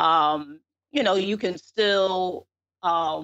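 A woman with a Philadelphia accent speaks in a fairly low pitch. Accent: Philadelphia American English. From Philadelphia, US. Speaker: blind advocate. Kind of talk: interview.

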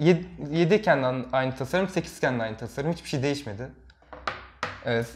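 A man's fairly high, lively voice at a very fast pace, broken by long, frequent pauses, with light background noise. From Izmir, Turkey. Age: young. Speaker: university student, viewer; viewer giving a phone review. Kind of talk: casual interview. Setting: studio. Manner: quiet. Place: home room. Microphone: lapel.

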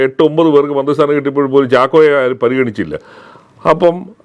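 With a fairly high voice, a man talks in a flat monotone. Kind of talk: political analysis interview. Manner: halting, many pauses.

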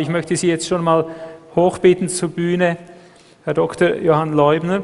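Pitched high, a man speaks in a monotone, flat way at a moderate pace against noticeable background noise. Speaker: congress organizer introducing speaker. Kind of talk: stage introduction and speech. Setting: stage with audience.

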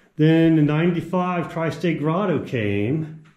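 A man's dark, mellow tone with audible room echo. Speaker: tour guide. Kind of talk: guided tour commentary. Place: tunnel cave. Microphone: phone near.

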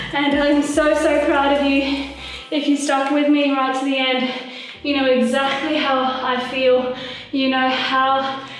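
Over faint background music, a woman speaks at a fairly slow pace in a high, monotone, flat voice. Strong room echo surrounds her. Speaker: fitness instructor. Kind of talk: workout instruction and outro chat. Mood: warm, proud, encouraging. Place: home room.

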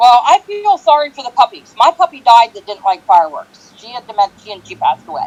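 A woman speaks very fast in a high voice, with very wide pitch swings, big swings in loudness and hardly any pauses. The sound is dry and close with no echo, and there is noticeable background noise. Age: 50s. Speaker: resident commenting at council meeting. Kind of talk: public comment.

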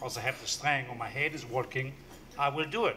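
The man's tone is bright and sharp, with fairly even intonation. Light background noise can be heard. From France. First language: French. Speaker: chef; guest. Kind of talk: casual chat; interview answer. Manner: halting. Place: stage. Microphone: handheld.

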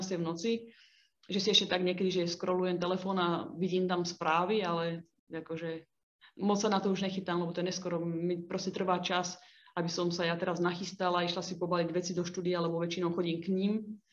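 Talking at a fairly quick pace, a woman keeps a monotone, flat intonation at a fairly low pitch. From Slovakia, rural village. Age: 40s. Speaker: tattoo artist; guest. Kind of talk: online student discussion interview. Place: home room. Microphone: video call.

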